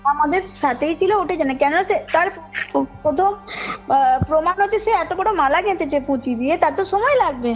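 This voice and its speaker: A woman's voice: extremely high pitch, lively intonation, normal speed. A woman tells a personal story as a caller, informally and emphatically, often checking that her listener follows. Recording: muffled call audio under loud music. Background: background music.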